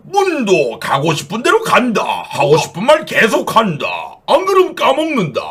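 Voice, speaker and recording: High pitch and a moderate pace in a put-on character voice. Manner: slow, dim-witted.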